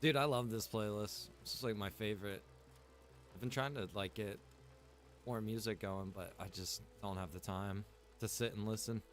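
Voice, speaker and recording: A man's voice: lowish voice, normal speed. A man giving casual, chatty commentary while he plays a game, thinking aloud in a laid-back way. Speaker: game streamer. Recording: clear background noise.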